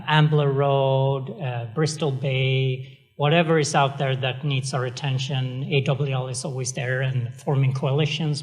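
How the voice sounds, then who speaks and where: A middle-aged man from Sweden with a Swedish accent, an executive director giving a chatty, self-deprecating speech with many fillers. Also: on the high side. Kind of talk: speech at an event.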